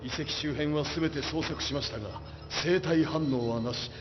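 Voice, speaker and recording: An actor playing a soldier giving formal military reports in a video game. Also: male voice, on the high side, fast, lightly acted. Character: male corporate soldier reporting to command. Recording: echoey muffled game audio with music.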